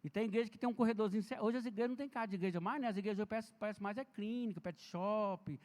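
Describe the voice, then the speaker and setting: A man's voice: sits high, very fast, a little mellow. A man giving an informal seminar talk on health and safety in a church, chatty and storytelling, talking straight to the audience. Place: large church hall. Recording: long reverb in a big church hall.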